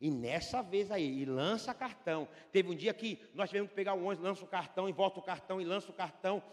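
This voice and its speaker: A man from Brazil preaching a fervent sermon as pastor, swinging from hushed storytelling to shouting. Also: high-pitched, fast. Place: church hall with long reverb. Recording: reverberant church hall.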